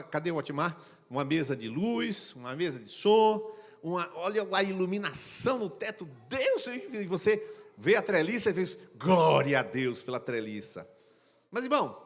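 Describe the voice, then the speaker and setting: A male pastor preaches in a church auditorium, his slightly high voice carrying a long hall reverb. He tells stories with animated energy, slipping into the voices of the people he quotes. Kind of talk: sermon.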